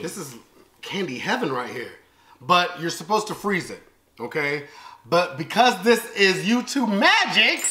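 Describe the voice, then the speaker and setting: An American man hosts a casual, comedic food vlog with a highly animated delivery that swings up and down. He is expressive and exclamatory as he talks to viewers. The sound is echoey, picked up across a big room at home, with clear background noise. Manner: expressive, exclamatory, reacting while eating. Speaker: host of a food-tasting video. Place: large open living and dining room at home.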